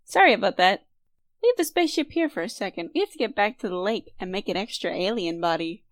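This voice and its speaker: Brisk, decisive woman acted, dry recording. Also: medium pitch, animated, no echo, natural voice. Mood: brisk, urgent. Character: brisk, take-charge female time-traveling adventurer. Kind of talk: audio drama acting.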